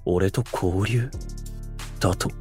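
A man's voice: deep voice, slow, a little mellow, husky, soft background music, full character voice. A man playing a stern, distrustful young older brother in a voice drama, curt, haughty and formal, protective and aloof. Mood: hostile, suspicious. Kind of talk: Japanese voice drama acting.

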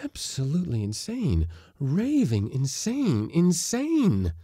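A man's voice: a little high, wildly swooping pitch, takes it slowly, warm tone, slightly rough, dry recording, clean studio sound, voice pushed up, heavily acted. A man voicing a tormented, stranded man who fears for his sanity, agitated and emphatic. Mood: distraught.

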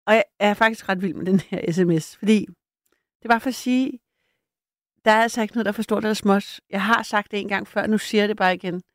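A woman's voice: mid-range voice, fairly even intonation, dry recording, clean studio sound. A woman hosting a late-night call-in radio show, chatty and a little hesitant, laughing easily with callers.

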